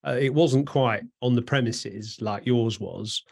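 A man's voice: medium pitch, unhurried, gravelly. A man with an English accent hosting a conversational interview, asking chatty, rambling questions. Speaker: interviewer and host.

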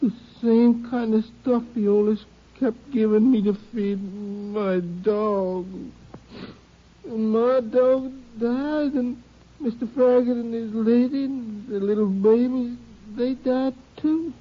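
Scared childlike backwoods boy, simple, talks real slow n halting, old dull radio sound. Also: mid-range voice, fairly even intonation. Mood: pleading, sad. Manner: halting, simple, pleading speech. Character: Luke, frightened, childlike, simple-minded backwoods son. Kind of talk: 1950s radio drama acting.

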